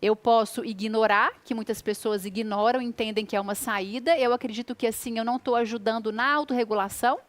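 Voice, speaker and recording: A woman in her thirties, a guest expert on a radio talk show, explaining child behavior and acting out gentle words to a child. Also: on the high side, steady tone, fairly quick, hardly any pauses.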